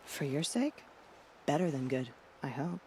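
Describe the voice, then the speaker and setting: Sober tribal war leader, higher-pitched. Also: male voice, very animated, unhurried, darkish tone, a little hiss or hum. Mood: measured, doubtful. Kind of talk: video game dialogue.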